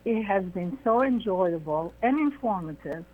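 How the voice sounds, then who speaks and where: A woman calling in to a radio show, giving halting praise to the host and guest. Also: mid-range voice, lively intonation. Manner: warm praise, hesitant. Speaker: caller. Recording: tinny phone line.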